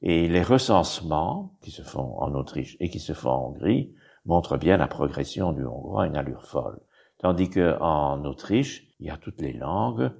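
Older man, deep husky gravelly voice, digressive answers. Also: animated, normal speed, a little mellow. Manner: rambling, digressive, with frequent "hein". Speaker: bishop and historian guest. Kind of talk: explanatory interview answers.

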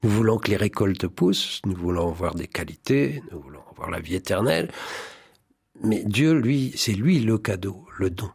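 A low-pitched man with a husky edge talks in a fervent, preacherly way, often quoting scripture. He is a guest in a spiritual radio interview, and the sound is close and dry. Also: animated, normal speed, a little mellow, no echo. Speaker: priest and songwriter, interview guest.

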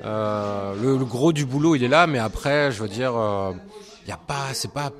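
A man who facilitates a radio show, explaining in a measured way with frequent hesitations. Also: medium pitch, fairly bright tone. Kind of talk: interview explanation.

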